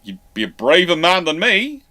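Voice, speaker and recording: A man hosting a live question-and-answer session, answering off the cuff in a halting way, often restarting his sentences as he thinks aloud. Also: high voice, huge pitch swings, sharp tone. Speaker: host of naval history live Q&A.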